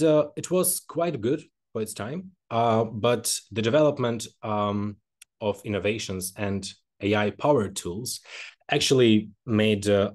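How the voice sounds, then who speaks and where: A young man from Kazakhstan presents his research in a webinar, his voice sitting somewhat low. He speaks haltingly, filling pauses with ums and uhs. The sound comes through a laptop mic on a video call from a small room. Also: darkish tone. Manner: hesitant, frequent ums and uhs.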